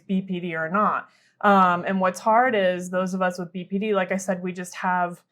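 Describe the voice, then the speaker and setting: A woman panelist and therapist explaining ideas in a thoughtful, conversational way, often checking in with "right?". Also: mid-range voice. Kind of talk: casual explanatory discussion.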